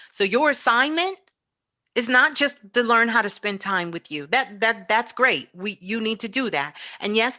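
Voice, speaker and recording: A woman with a bright, forceful voice speaks as a spiritual teacher. Her delivery is motivational and emphatic, preaching her points and driving them home with repetition. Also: mid-range voice. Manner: emphatic, preaching, with repeated phrases.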